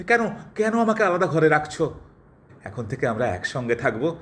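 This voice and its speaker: A man's voice: fairly high pitch, sing-song, normal speed, fairly bright tone. A man playing a feverish, jealous husband in an audio drama, with a pleading, theatrical delivery. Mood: insistent pleading.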